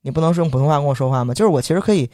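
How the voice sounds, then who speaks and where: With heavy erhua and a quick, lively delivery, this young adult male podcast co-host tells a story in casual chat. His voice is fairly high in pitch, recorded with clean studio sound and no room sound.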